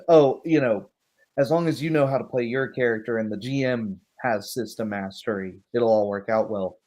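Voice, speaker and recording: A man's voice: medium pitch, a little mellow. A man who is a game master hosting a stream, chatting casually and explaining tabletop rules with little examples. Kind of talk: casual chat about tabletop role-playing rules.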